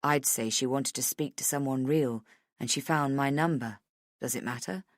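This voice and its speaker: A woman voicing a calm, dogged male investigative journalist, measured and persistent, in an audiobook. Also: extremely low pitch, no echo, studio quality. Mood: low-key, dismissive. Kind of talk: audiobook character dialogue.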